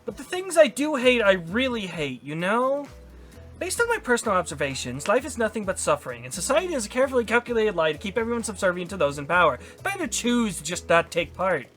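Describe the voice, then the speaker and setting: A man voicing a gloomy, cynical young woman who talks in a deadpan way. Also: high voice, fast, soft background music.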